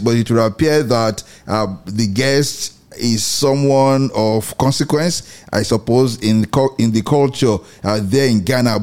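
A man in middle age hosts a Christian radio program with an earnest, measured delivery. He often restates a phrase before going on. His voice sits at an ordinary pitch for a man. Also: darkish tone. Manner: measured, earnest, repeats and rephrases words. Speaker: radio show host.

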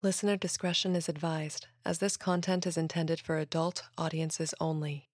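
A woman gives a measured, calm warning in a lowish voice. She barely varies her pitch. The sound is dry and close. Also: dry recording. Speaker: content advisory announcer. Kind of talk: scripted announcement.

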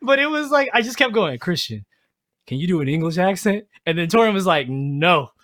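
A man hosting a podcast in a casual chat, animated and quick to laugh. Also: sits high. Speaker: podcast host.

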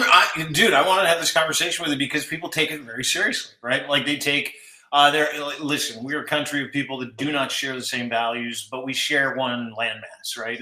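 Male podcast co-host, bright, sharp voice, casual and conversational, roomy echo. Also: medium pitch. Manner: casual, says "right?" often. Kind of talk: casual political discussion.

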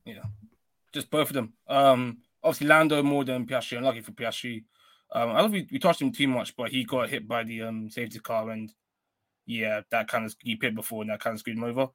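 Podcast guy, flat even voice, calm breakdown, dry close mic. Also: mid-range voice, no echo. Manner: measured, analytical. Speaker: podcast panelist. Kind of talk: casual chat.

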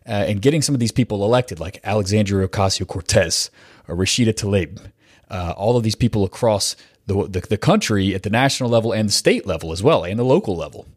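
A man's voice: fairly low pitch, no echo, clean studio sound. A man hosting a podcast with a casual, rambling manner, his voice stuffed up and nasal from a cold. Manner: rambling, chatty, with fillers and self-corrections. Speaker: podcast host. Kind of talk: casual podcast intro monologue.

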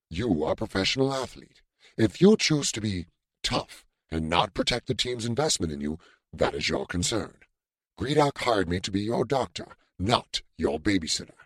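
A man's voice: on the low side, a bit bright, no echo, voice pushed down. A man voicing a haughty alien surgeon who speaks in a clipped, formal, metallic way. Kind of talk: audiobook character voice.

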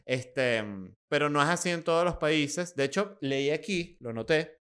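A man's voice: fairly high pitch, measured pace, fairly bright tone, smooth. A young man with a Venezuelan accent hosting a podcast, chatting casually with joking, sarcastic asides. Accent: Venezuelan Spanish. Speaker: podcast host. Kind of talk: casual commentary.

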